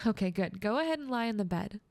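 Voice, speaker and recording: A woman playing a gentle, motherly guardian angel in a soothing, patient ASMR roleplay, speaking softly and coaxingly. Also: medium pitch, lively intonation, quick pace, dry recording, lightly acted. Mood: coaxing, kindly. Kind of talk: soft-spoken ASMR roleplay.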